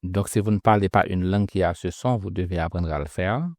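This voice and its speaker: A man teaching pronunciation in a slow instructional lesson, drilling sounds by repeating syllables. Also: low voice, darkish tone, dry recording, clean studio sound.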